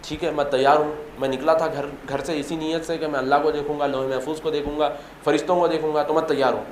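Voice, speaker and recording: A man's voice: a little high, little pitch movement, fast, slight background noise, lightly acted. A man voicing a determined young male seeker who earnestly declares he is ready. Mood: resolute. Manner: resolute, earnest. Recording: echoey room, faint ambience.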